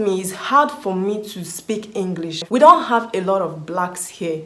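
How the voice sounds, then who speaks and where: A woman with a strong Nigerian accent speaks at a fairly slow pace and a medium pitch over noticeable background noise. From Nigeria, Ekiti State (Yoruba). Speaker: YouTuber. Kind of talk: casual Q&A vlog.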